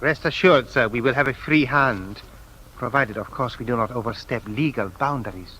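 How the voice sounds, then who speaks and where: An actor playing a smooth, sanctimonious inquisitor in a 1950s radio drama, measured and unctuous. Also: male voice, medium pitch, bright, forceful tone, a little hiss or hum, close to an everyday voice, poor audio.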